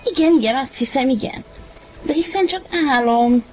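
A woman reading a wife's lines in a story, soft and often hushed. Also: high-pitched, animated, soft background music, poor audio. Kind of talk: dramatized audiobook reading.

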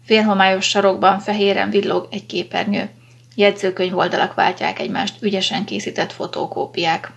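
A woman narrating a science fiction story in a steady, measured audiobook reading. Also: mid-range voice, creaky, husky, dull audio.

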